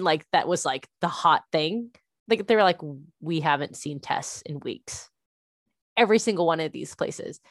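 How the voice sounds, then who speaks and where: A young adult woman tells a long, exasperated story in an easy, rambling way, with "like" dropped into nearly every sentence. Her voice sits fairly low for a woman, and the sound is close and dry. It is a casual conversation among friends. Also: no room sound. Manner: animated, frustrated storytelling with many "like" fillers. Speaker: parent.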